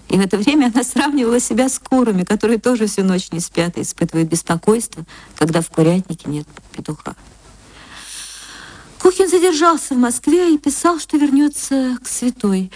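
A woman narrating a classic story in a gentle, measured literary reading. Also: fairly high pitch, no room sound.

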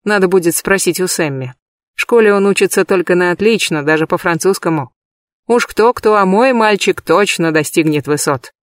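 A man giving a measured, lightly expressive first-person audiobook reading, recorded close in a booth. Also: sits high, dry recording. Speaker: audiobook reader.

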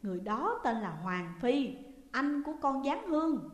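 A woman's voice: high-pitched, sing-song, unhurried, lo-fi sound, pitched above the performer's own voice. A woman putting on an urgent gossipy young schoolgirl friend. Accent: Southern Vietnamese. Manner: urgent, confiding. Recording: echoey room with long reverb.

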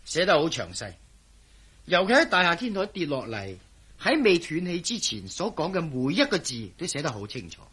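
An actor playing a jovial, skeptical police officer in a radio drama, speaking with a chuckling, doubting manner. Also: male voice, a little high, very animated, moderate pace, sharp tone, husky, exaggerated voice.

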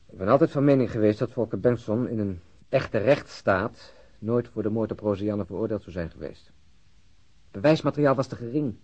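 Weary, sardonic male detective for radio crime play; low, husky, argumentative, on muffled lo-fi audio. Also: normal speed, dark tone. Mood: insistent, argumentative. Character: cynical, weary, outspoken male police detective. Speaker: actor in a radio crime drama. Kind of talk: Dutch-language radio play acting.

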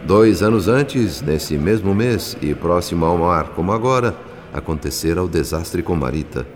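A man with a Brazilian accent narrating a radio soap as a solemn witness, grave, theatrical and measured. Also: low voice, animated. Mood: grave, wistful. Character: solemn male spirit narrator recounting a tragedy.

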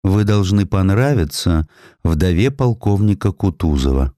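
Man as a shrewd revolutionary recruiter, low-voiced. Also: animated, measured pace, warm tone, dry recording, studio quality. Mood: persuasive. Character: shrewd, persuasive young male underground revolutionary.

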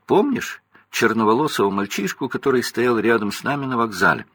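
A man's voice: very animated, a little fast, fairly bright tone, slightly rough, dry recording, heavily acted. A man doing cheeky teenage twin boys. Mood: teasing. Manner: teasing, bouncy, high put-on voice. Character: mischievous teenage twin boys, joking and teasing.

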